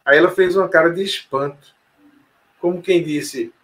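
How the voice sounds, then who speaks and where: This interview guest's voice is a little high and a bit bright, and he moves at a moderate pace. Telling a personal story in a relaxed, conversational way, he hesitates often, using lots of fillers and starting sentences over.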